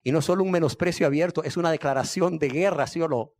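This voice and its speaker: A man's voice: a little high, fast, darkish tone, no echo, clean studio sound. A man preaching a sermon as pastor, emphatic, firing questions at the listeners and answering them himself, repeating key words.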